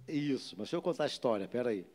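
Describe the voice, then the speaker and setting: A man with a Brazilian accent, a pastor preaching a sermon and telling a lively story, acting out the people in it. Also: medium pitch.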